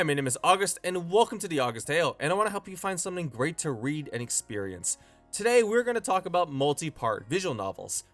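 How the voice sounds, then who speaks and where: A man hosts a scripted review in a voice pitched a little high. His intonation swings widely as he narrates. Faint music plays behind him. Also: fairly bright tone. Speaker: host of a visual novel review channel. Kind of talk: scripted video essay narration.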